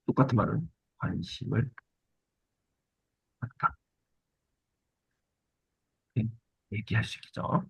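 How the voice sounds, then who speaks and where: Man, language teacher, husky gravelly voice, dry close sound, repeats key words, asks "right?". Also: lowish voice, lively intonation, slow, long pauses, dry recording, dull audio. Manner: explains step by step, repeats key words, asks check questions. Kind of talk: exam prep lesson.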